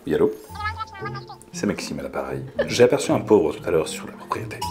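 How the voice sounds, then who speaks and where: Brief: man doing a pompous snob on the phone, mock-posh, very low and hushed. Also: big pitch swings, a little fast, music in the background. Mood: haughty. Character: pompous snobbish young rich man on the phone.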